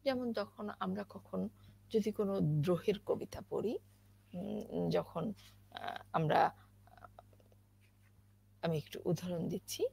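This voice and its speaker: A woman giving a spoken lesson on poetry recitation, explaining slowly with many pauses and fillers. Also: on the low side, creaky, warm tone, breathy edge. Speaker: recitation teacher.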